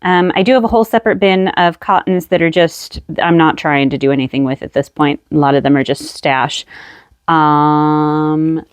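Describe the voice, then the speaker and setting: This woman speaks in a low, clean-toned voice at normal speed, captured in a dry recording. A craft vlogger, she muses aloud about her yarn while sitting at a table, slightly out of breath and using many ums in a casual show-and-tell chat.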